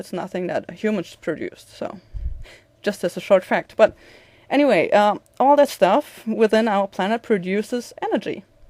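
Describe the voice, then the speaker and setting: In a German accent, a woman speaks at a fairly quick pace in a medium pitch with ordinary pitch variation, the sound dry and close with no echo on a very clean recording with a silent background. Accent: German accent, trouble with th. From Germany. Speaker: video blogger. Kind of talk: opinion monologue.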